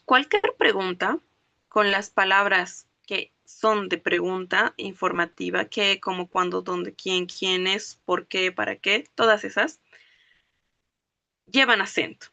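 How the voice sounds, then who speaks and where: Woman language teacher, bright tone, patient step-by-step explaining. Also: mid-range voice, vocal fry, no room sound. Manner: explains slowly, checks understanding with "¿ok?" and "¿no ve?". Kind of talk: classroom lecture.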